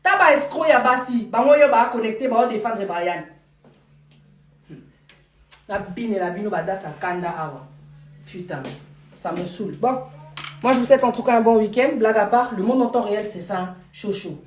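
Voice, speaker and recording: A woman's voice: a little high, expressive, normal speed, pauses often, far from the mic. Emphatic Paris woman live-streaming, roomy sound. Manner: emphatic, repeats lines for force. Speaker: live streamer addressing followers. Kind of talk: casual live chat, mixing French and Lingala.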